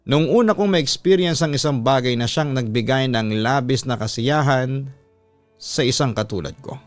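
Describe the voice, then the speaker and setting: A man's voice: medium pitch, moderate pace, no echo, faint music behind. A man reading a listener's personal letter aloud as a scripted, storytelling radio-style narration.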